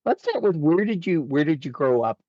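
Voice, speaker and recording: A man's voice: a little high, very animated, a little fast, dry recording. A male podcast host with an enthusiastic, casual manner who often repeats his words. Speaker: podcast host, alumni manager. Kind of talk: casual interview. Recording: dull, slightly lo-fi dry sound.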